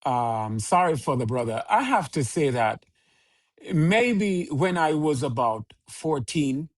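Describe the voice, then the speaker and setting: A man, a podcast guest who speaks in a measured, preaching cadence with repeated phrases. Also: fairly high pitch, very animated. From Jamaica. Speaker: podcast guest, organization leader. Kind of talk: earnest conversational interview answers.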